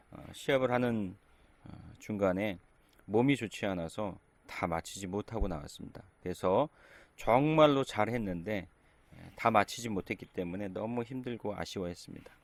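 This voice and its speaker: A middle-aged male pastor giving a sermon, speaking gently and conversationally in short phrases. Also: fairly low pitch, no echo.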